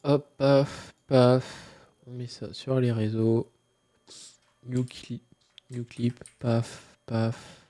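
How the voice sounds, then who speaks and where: Drawn-out words mark this mid-range male voice as he plays a game on a live stream, congested from a cold. The chat is casual and relaxed, full of mumbled asides and fillers.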